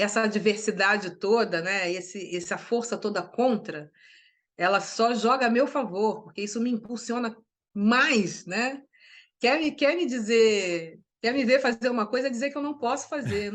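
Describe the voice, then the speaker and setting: A woman's voice: on the high side, a bit bright. A middle-aged woman from Brazil, a writer interviewed as a guest, talking emphatically with restarts and tag questions. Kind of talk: conversational interview.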